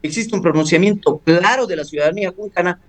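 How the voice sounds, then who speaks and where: A man speaks as a radio interview guest. His voice sits somewhat high for a man, and he talks in a formal, legalistic, measured way, often pausing to hesitate. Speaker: constitutional law professor, interview guest. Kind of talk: radio interview, analytical commentary. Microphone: studio or phone radio interview.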